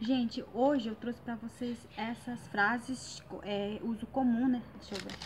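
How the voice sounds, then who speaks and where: At a very slow pace, a woman with a Paraguayan accent speaks fairly high, with ordinary pitch variation. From Mato Grosso do Sul, Brazil (Guarani Kaiowá, Amambai). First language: Guarani (speaking Portuguese). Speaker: language teacher YouTuber. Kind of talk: language tutorial. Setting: at home. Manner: halting, hesitant.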